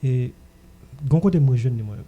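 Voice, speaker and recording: A man's voice: mid-range voice, animated, measured pace, dull audio. A man with a Haitian accent talking casually as host of a radio discussion.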